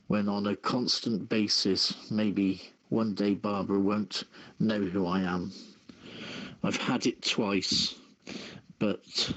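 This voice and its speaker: A man hosting a casual talk show, reading news and chatting in a halting, measured way. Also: on the low side, a bit bright, poor audio. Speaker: show host.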